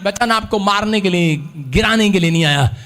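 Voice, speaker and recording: A male preacher, giving a lively sermon that swings between shouts and hushed asides. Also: sits high, moderate pace, background noise. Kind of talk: energetic sermon with call-and-response.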